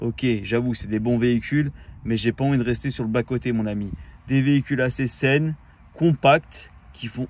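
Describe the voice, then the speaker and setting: A man with a mid-range voice talks at a moderate tempo, his intonation staying fairly even. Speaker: car import vlogger. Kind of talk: casual vlog to camera. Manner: loud; hesitant with many fillers.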